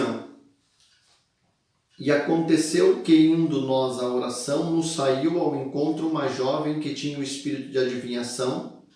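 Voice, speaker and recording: A Brazilian man preaching a sermon as pastor, teaching with emphatic repetition and dramatic pauses. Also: fairly high pitch, vocal fry, a little mellow. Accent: Brazilian Portuguese. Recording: echoey room, voice from a distance.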